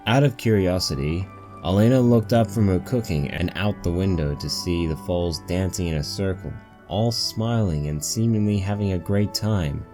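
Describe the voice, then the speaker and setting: A man's voice: low-pitched, normal speed, music in the background. A man reading a story aloud as its narrator, in scripted storytelling style. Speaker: narrator of a fan fiction reading.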